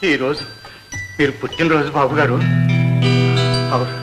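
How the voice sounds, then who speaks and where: Actor as a humble, devoted manservant, medium-pitched. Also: male voice, fairly even intonation, normal speed, over loud music, close to an everyday voice. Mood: devoted, tender. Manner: respectful, humble, coaxing. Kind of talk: Telugu film drama acting.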